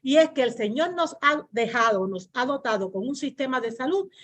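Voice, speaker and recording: A woman born in Cuba gives an earnest church talk on health over a video call, repeating phrases and pausing with "eh" as she restarts. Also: high-pitched, animated, slight background noise. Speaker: guest speaker on health.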